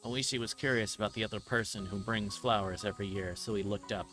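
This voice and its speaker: Low-voiced man reading over game music. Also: steady tone, fast talker, a bit bright, rough recording. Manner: stumbles over words while reading. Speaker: livestreamer reading a visual novel aloud. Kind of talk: reading narration aloud. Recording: music playing behind the voice.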